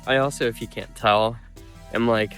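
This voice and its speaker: A man's voice: mid-range voice, fairly even intonation, moderate pace, fairly bright tone, faint music behind. A man with a stuffed-up, congested nose giving a casual vlog recap of a run, rambling with lots of ums and likes. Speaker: running vlogger.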